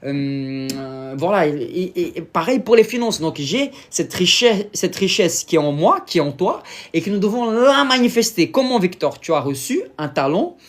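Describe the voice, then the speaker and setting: Preaching informally in broken French, a man from Brazil with a native Portuguese accent fills gaps with hesitations while hunting for words. His voice is high-pitched and sing-song.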